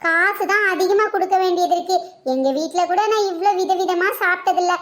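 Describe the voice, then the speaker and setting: A woman voicing a soft-hearted teenage girl in a cartoon, talking earnestly with small laughs. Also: very high voice, steady tone, brisk. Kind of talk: cartoon voice acting.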